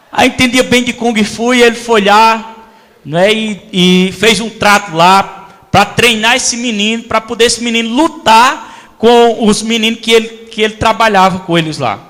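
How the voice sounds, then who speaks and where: A male pastor from Brazil, preaching a sermon as animated storytelling and acting out voices. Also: high voice, normal speed, in a large hall. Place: church hall.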